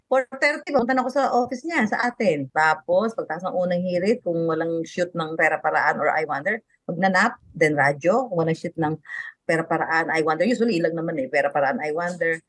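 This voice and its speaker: A woman's voice: fairly low pitch, brisk, no room sound. A middle-aged woman from the Philippines, chatting as a guest in an interview and laughing often. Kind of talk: casual interview chat.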